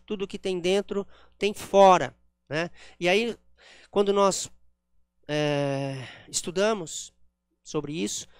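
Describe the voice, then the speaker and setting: A man's voice: sits high, clean tone, no echo, studio quality. A man giving a spiritist lecture at a center, explaining ideas step by step with frequent "né?" tags. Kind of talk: public lecture with slides.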